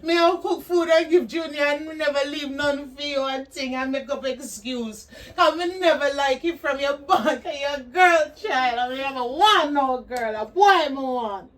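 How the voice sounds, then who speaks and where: A woman's voice: high voice, moderate pace, hardly any pauses, far from the mic, close to an everyday voice. An actress playing a grieving, remorseful Jamaican mother who wails and pleads in a sobbing patois with broken laughter, in an amateur web drama. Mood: quiet remorse. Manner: repetitive cries and pleading.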